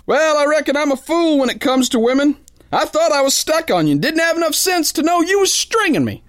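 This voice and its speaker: A man's voice: very high voice, very animated, brisk, a bit bright, no room sound, clean studio sound, exaggerated voice. A man playing a big, boastful, gullible boxer who tells his tale in slangy, ungrammatical tough-guy talk for a pulp radio play. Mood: hurt. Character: big brawling boastful soft-hearted gullible male boxer, slangy narrator.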